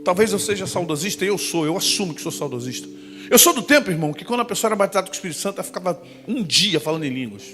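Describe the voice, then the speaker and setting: A man preaching a Pentecostal sermon with a Brazilian Portuguese accent, emphatic, swinging from soft asides to shouting. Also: sits high, very animated, racing. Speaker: pastor. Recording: long reverb with faint music.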